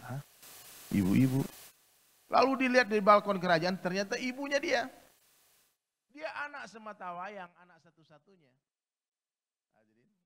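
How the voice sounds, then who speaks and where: A male preacher telling a story in a sermon, swinging between loud bursts and hushed asides. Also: high voice, big pitch swings, moderate pace, pauses often. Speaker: Islamic preacher. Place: large event hall. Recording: echoey large hall.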